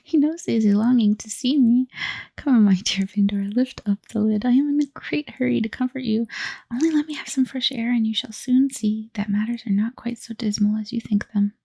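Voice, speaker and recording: A bright, coaxing little fairy speaks in a hushed whispered role-play, voiced by a woman. The whisper is breathy and a little gravelly, set slightly high. The sound is dry and close. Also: steady tone, normal speed, dry recording, heavily acted. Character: cheerful winged fairy girl Hope, coaxing.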